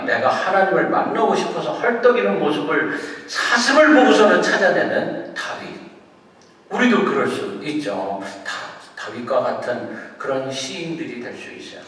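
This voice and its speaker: A man's voice: mid-range voice, a bit bright. A male pastor giving a conversational sermon and putting questions to his congregation. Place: church sanctuary. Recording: very echoey church hall from far off.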